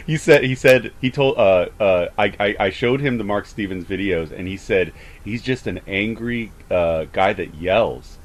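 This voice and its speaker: Low-voiced man, halting and rambling. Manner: hesitant, rambling with stammers and false starts. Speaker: host of a call debrief. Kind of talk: casual chat.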